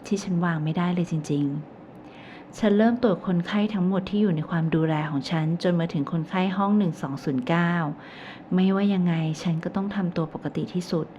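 A woman with a low, mellow voice reads a first-person romance novel aloud, calm and even in her storytelling. The recording sounds a little dull, with a faint hiss underneath. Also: fairly quick. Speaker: audiobook narrator.

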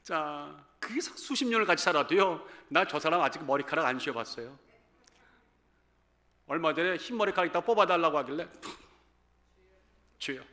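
A man in his fifties preaching a sermon to a church congregation, animated, swinging between loud calls and hushed asides. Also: fairly high pitch, brisk. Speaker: pastor. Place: church sanctuary.

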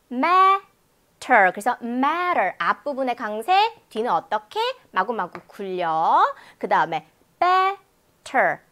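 Delivering an exam-prep listening lecture, a woman with a fairly high-pitched voice stays animated and demonstrative, overdoing sounds so her students can hear them.

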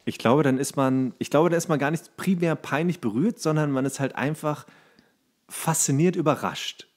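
A man's voice: on the high side, moderate pace. A man hosting a podcast in casual chat, thinking aloud in a rambling way with English slang mixed in. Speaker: podcast host.

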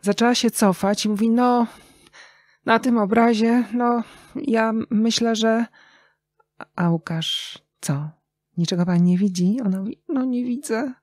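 A woman's voice: on the high side, unhurried, darkish tone, dry recording, clean studio sound. A middle-aged woman speaking as an interview guest, telling anecdotes in a conversational way. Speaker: interview guest, radio journalist and writer.

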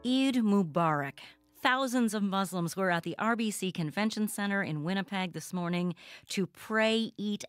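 A woman hosting a radio news show from a studio, reading weather and news in a brisk, friendly way. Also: mid-range voice, dry recording. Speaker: radio host. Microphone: studio mic with headphones.

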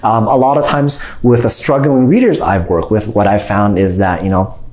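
In a small indoor room, a reading teacher in his forties gives an explanatory phonics lesson, frequently asking "okay?" to check in. His voice sits on the low side with a darkish tone at a moderate pace. A lapel mic captures the roomy, echoing sound.

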